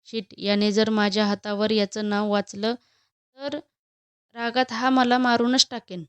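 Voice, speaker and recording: A woman's voice: medium pitch, flat delivery, measured pace, clean tone, no echo, highs cut off, close to an everyday voice. A woman voicing a nervous, flustered young female employee in a storybook, speaking hesitantly and stammering.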